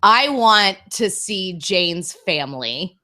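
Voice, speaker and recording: A woman's voice: medium pitch, expressive, takes it slowly, pushed and bright. A woman on a live fan podcast panel, talking casually and eagerly, laughing often. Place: live web show.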